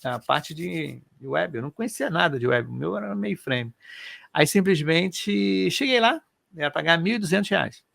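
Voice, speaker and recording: A middle-aged man from Rio de Janeiro, telling personal stories in an animated, colloquial way as co-host of a casual chat. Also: a little high, moderate pace, vocal fry, no room sound. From Brazil. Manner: animated, colloquial, emotional storyteller.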